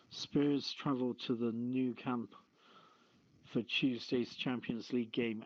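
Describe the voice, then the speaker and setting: A man hosts a casual live show at a slow, halting pace with a jokey streak. He sits close to the mic in a very dry space. The audio is slightly dull and lo-fi. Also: medium pitch, no echo. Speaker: radio show host. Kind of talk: casual live show chat and news reading.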